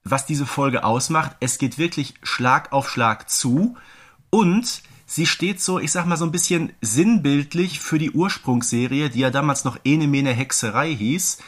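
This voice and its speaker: A man's voice: a little high, measured pace, fairly bright tone. Man in his thirties co-hosting a podcast. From Germany. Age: 30s. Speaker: podcast co-host. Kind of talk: casual podcast discussion.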